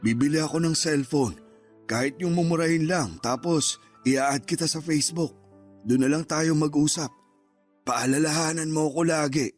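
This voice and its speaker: A man playing a remorseful middle-aged father just out of prison, soft-spoken and apologetic, in a radio drama. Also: on the high side, normal speed, soft background music, lightly acted. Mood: reassuring. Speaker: father character. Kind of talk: Tagalog radio drama acting.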